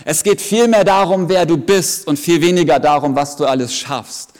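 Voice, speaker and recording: A man's voice: fairly high pitch, moderate pace, a little mellow. A man preaching a sermon in an emphatic, earnest way with joking asides, heard in a large hall at an evening service. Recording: long reverb of a big hall.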